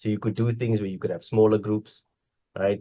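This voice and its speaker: Against a quiet background, a man speaks in a dark, mellow tone at a fairly low pitch with fairly even intonation. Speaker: head of engineering. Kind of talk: panel discussion. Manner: loud.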